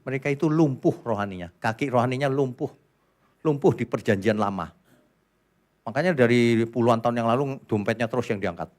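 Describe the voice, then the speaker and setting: Man, Indonesian accent, pastor preaching, middle-aged, lively swings between loud and quiet, scolding questions. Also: mid-range voice, a little fast. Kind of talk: sermon.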